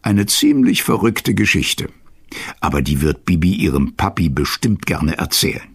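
A man's voice: deep voice, huge pitch swings, normal speed, vocal fry, breathy edge. An older man narrating a children's radio play in a storytelling style, speaking fondly to young listeners.

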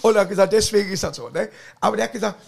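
A middle-aged man hosting a podcast, chatting in a rambling way and laughing loudly at his own jokes. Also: high voice, racing, gravelly. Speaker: podcast host. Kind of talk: casual chat.

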